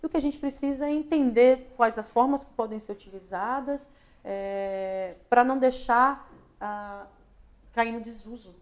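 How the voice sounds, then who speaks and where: A Brazilian actress, director and lighting designer appears as a guest on a local talk show broadcast on social media, speaking in a fairly high voice that runs a little slow. Her casual interview talk is thoughtful and reflective, and she often restarts phrases and tacks on "né?"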